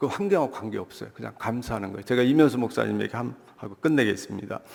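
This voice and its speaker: Very fast and at a medium pitch, a man speaks with lively intonation and big swings in loudness. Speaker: guest pastor. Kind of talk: sermon. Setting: church.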